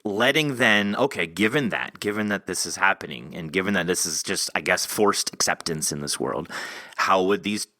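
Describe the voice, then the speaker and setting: A man's voice: deep voice, expressive, moderate pace, pushed and bright, no echo. A man hosting an interview in a casual, rambling, informal way, often padding his sentences with conversational filler. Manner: rambling, informal, peppered with "you know". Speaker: podcast host interviewing an author.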